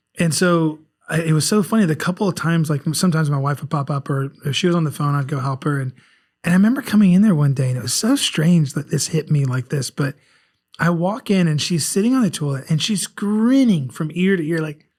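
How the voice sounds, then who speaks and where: In a very clean recording with a silent background, a man with an American accent talks at a very fast pace, his fairly high pitch carried by lively intonation. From US South, South Carolina. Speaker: children's book author. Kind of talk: casual chat. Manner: halting.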